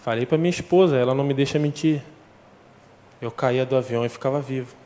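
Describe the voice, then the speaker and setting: A man's voice: medium pitch, quick pace, dark tone. A man giving a personal testimony in church, telling his story vividly and acting out the dialogue. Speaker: testimony speaker. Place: church hall, indoors. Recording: echoey church hall with ambience.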